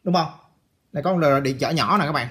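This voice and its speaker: A man's voice: a little high, a little fast, a bit bright. A man giving a casual hands-on electronics repair tutorial, chatty and repeating phrases as he talks to viewers.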